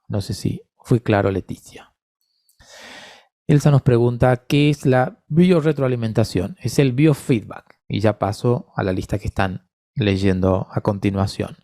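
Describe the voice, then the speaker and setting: A man with a mellow, warm voice gives an online speech-therapy lesson, explaining patiently and calling on attendees by name. The sound is dry and close, as from a computer mic on a video call. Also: mid-range voice, no echo. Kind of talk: online mini-course answering questions.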